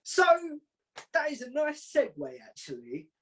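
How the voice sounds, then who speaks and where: A man's voice: extremely high pitch, wildly swooping pitch, unhurried, a bit bright. Casual male interview host.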